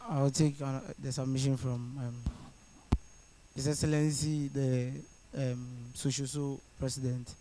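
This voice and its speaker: A young speaker with a Ghanaian English accent chairing a student parliament, brisk and procedural. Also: mid-range voice, little pitch movement, warm tone, a little hiss or hum, low-quality recording. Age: young adult. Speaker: speaker of the house.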